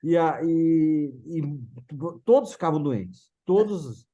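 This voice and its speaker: A mature Brazilian man reminiscing casually in conversation, halting and restarting his phrases. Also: a little high, lively intonation, warm tone, lo-fi sound. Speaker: guest recalling a parent's career.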